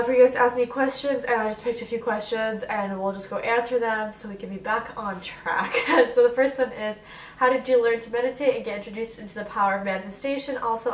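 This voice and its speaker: A woman's voice: a little high, reverberant, distant mic, poor audio. A young woman in her twenties with a stuffy, congested nose, chatting casually to camera in a Q&A vlog and filling her talk with "like". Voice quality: nasal. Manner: chatty, full of "like" fillers. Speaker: vlogger. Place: bedroom, on her bed.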